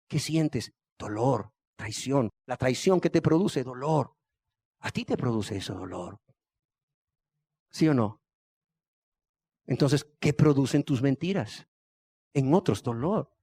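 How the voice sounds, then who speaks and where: Male pastor, fairly high voice, preaches in call-and-answer bursts, hammering repeated words. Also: a little mellow, no room sound. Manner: emphatic, asks the congregation questions and answers them; repeats key words for emphasis. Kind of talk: sermon.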